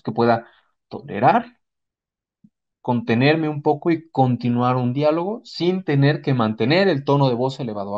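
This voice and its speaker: A slightly mellow, mid-range male voice with a Mexican accent comes through a muffled recording. He is a psychotherapist giving an explanatory talk with acted examples, teaching didactically and frequently tossing in brief rhetorical questions.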